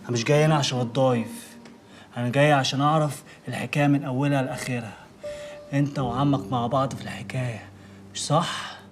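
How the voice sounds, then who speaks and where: An actor playing a young man who talks very fast and will not back down, pressing for answers. Faint music sits under this TV drama scene. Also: medium pitch, fairly even intonation, natural voice. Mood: demanding. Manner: insistent, confrontational. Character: young wounded man demanding the truth.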